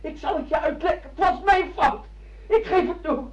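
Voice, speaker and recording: An actor playing an irritable, disoriented husband who questions everything in a radio drama. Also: male voice, very high voice, moderate pace, slight background noise. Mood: alarmed, pleading. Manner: querulous, questioning, exasperated. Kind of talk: radio play acting in Dutch. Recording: dull, muffled radio drama recording.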